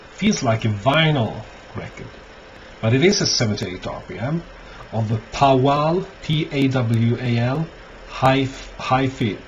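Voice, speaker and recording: A man giving a casual, unscripted show-and-tell as a collector, halting often and thinking aloud. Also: mid-range voice. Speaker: record collector presenting finds. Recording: dull lo-fi audio, clear background noise.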